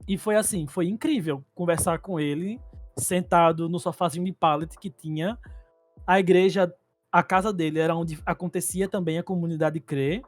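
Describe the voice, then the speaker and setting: A man from Paraíba with a Northeastern Brazilian accent, co-hosting a podcast and telling stories in an animated, laughing way. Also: high voice, normal speed, no room sound, faint music behind. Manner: animated storytelling, laughs often. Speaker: podcast co-host. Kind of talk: casual chat.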